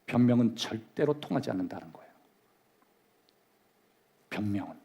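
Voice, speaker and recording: A man's voice: fairly low pitch, animated, moderate pace, gravelly, breathy edge, lo-fi sound. A male pastor preaching a sermon in a church, emphatic and leading the congregation in call-and-response. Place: church sanctuary.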